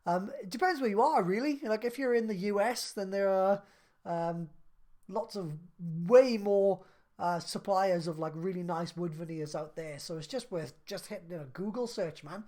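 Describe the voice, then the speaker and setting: A man in his thirties on a live stream, reading out viewer questions and answering them in a relaxed, chatty way with lots of fillers. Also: high-pitched, moderate pace. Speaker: craft business live streamer.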